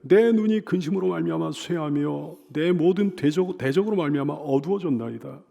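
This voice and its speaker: A middle-aged male pastor preaching a sermon, swinging from loud emphatic cries to soft hushed lines, with repeated pleading phrases. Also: on the high side, expressive, a little fast, gravelly. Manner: leads the congregation in call-and-repeat.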